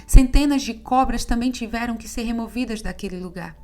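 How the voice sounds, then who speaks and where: A woman narrating an audiobook in a steady, measured reading voice. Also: fairly high pitch, soft background music.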